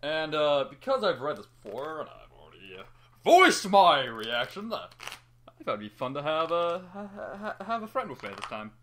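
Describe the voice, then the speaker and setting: Animated, bright voice with sudden pitch swings. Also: moderate pace, slight background noise. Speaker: host of an amateur fan fiction reading. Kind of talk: casual chat and amateur story reading.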